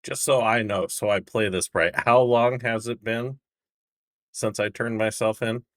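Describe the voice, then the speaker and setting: Casting: male tabletop gamer, low voice, casual and conversational, recorded dry. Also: steady tone, measured pace, a bit bright, dry recording. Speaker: player in a tabletop game.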